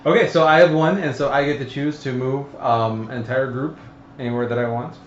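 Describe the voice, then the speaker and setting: A man explaining board game rules casually and haltingly as a co-host of a stream. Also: mid-range voice, steady tone. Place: indoor room at a game table. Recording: echoey room, muffled lo-fi, faint noise.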